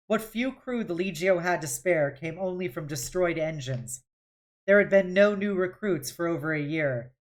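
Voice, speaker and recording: A woman reading a novel aloud on a stream, in a dramatic, expressive audiobook style. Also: fairly low pitch. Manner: dramatic, with occasional stumbles and self-corrections. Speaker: streamer hosting a read-along.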